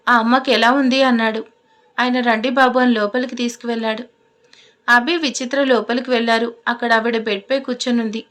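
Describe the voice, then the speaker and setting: Higher-voiced woman reading a story. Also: a bit bright. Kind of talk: scripted audio story narration.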